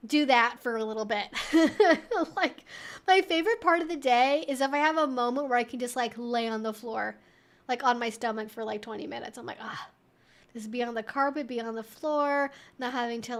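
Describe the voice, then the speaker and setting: A woman hosting a casual livestream Q&A, explaining things in a candid, conversational way with frequent asides. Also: a little high. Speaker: livestream host, educator.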